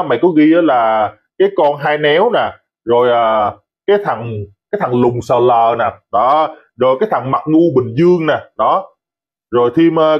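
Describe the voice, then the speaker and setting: A man's voice: fairly high pitch, slightly rough, muffled recording. A man giving a heated, mocking commentary monologue, scolding and insulting his critics. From Vietnam. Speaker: online commentator.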